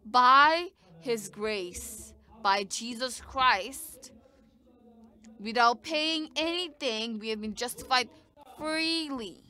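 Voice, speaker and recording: A woman's voice: fairly high pitch, slow, pushed and bright, clean tone. A woman giving live interpretation of a sermon, speaking in short bursts with frequent restarts.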